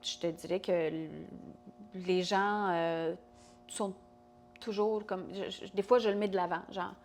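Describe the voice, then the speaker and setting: A woman's voice: mid-range voice, steady tone, measured pace, a little hiss or hum. A young woman who speaks French with a non-native accent, chatting as a podcast guest with frequent restarts and fillers. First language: not French. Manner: hesitant, many restarts and fillers. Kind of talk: casual conversation.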